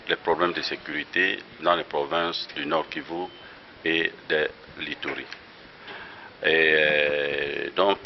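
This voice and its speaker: Very deep-voiced slow halting man. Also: slight background noise. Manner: slow, halting, many hesitations. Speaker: health official. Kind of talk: press statement. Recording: dull lo-fi news audio.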